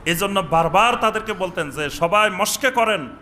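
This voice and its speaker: A man preaching a sermon in a mosque, chanting Arabic phrases slowly and questioning his listeners. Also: high-pitched, animated, bright, forceful tone, slight background noise. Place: mosque with upper floor and veranda.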